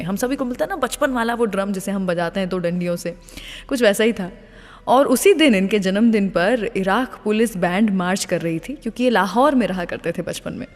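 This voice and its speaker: A woman's voice: mid-range voice, darkish tone, in a large hall. A woman hosting a radio show, telling stories in a chatty, conversational way. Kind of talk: storytelling radio narration.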